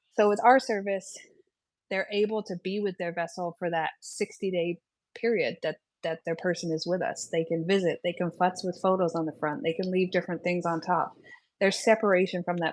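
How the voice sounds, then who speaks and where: A woman talks fairly quickly at a fairly low pitch with ordinary pitch variation. She has a slight British accent, and the background is quiet. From England. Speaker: human composting company representative. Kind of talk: interview. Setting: livestream video call.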